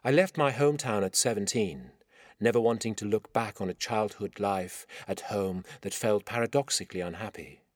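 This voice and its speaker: A middle-aged man with an Iranian accent reading his own literary story in measured, dramatic phrasing. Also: lowish voice, dry recording, studio quality. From Iran. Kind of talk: scripted literary narration.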